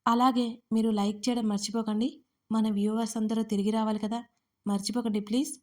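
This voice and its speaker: A woman storyteller narrating an audio story in a steady, even reading. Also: a little high, fairly quick.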